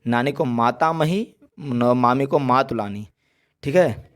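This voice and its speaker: A man's voice: mid-range voice, slow pace, fairly bright tone. A male teacher giving an exam-prep lesson, drilling word lists with frequent check-ins and playful examples.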